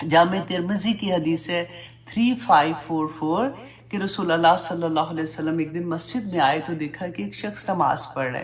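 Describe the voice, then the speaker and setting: A woman's voice of fairly low pitch with audible room echo. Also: ordinary pitch variation. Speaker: Islamic religious teacher. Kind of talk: religious lecture. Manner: slow.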